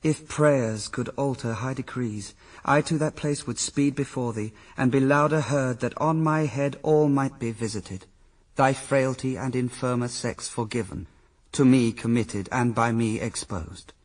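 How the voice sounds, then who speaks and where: An actor playing an anguished but reasoning husband, speaking formal verse gravely in a classical radio drama. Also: male voice, medium pitch, unhurried, distant mic, lightly acted, poor audio. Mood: anguished, reproachful. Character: Adam, the first man, anguished yet reasoning husband.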